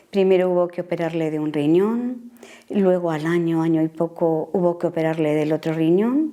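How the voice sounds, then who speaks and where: Her pitch fairly low and her pitch variation ordinary, a woman speaks at a moderate pace in a plain, everyday voice. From Madrid region, Spain. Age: 60s. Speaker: retired widow giving faith testimony. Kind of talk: testimony.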